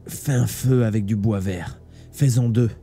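A man's voice: measured pace, faint music behind. A man doing a dying, stoic teenage boy. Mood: urgent calm. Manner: low, quiet, strained through pain. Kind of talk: audiobook read live.

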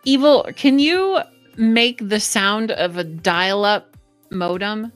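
A woman's voice: medium pitch, slow pace, soft background music. A woman chatting casually as a guest on a stream, laughing and swearing freely. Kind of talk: casual chat.

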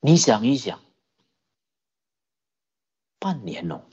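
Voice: mid-range voice, sing-song, slow pace, background noise. A Buddhist teacher giving a sermon, telling a story with many rhetorical questions. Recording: dull lo-fi recording.

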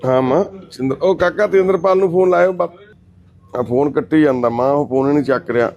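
A man's voice: a little high, a little fast, darkish tone, muffled recording, faint music behind. A man working as a charity volunteer, earnestly pleading with an absent son to call his grieving mother. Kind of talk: emotional appeal to camera.

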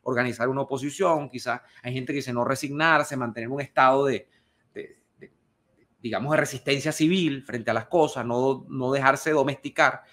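A man's voice: medium pitch, steady tone, moderate pace, fairly bright tone. A middle-aged man with a Venezuelan Spanish accent, speaking as a commentator who talks things through thoughtfully and carefully, often restarting words. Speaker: political commentator answering a viewer question. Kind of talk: casual spoken commentary.

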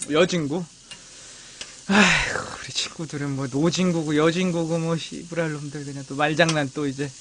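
A man's voice: high voice, pushed and bright. A man hosting a live-stream mukbang, casually chatting with viewers and teasing them as friends while he grills meat. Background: meat sizzling on a grill.

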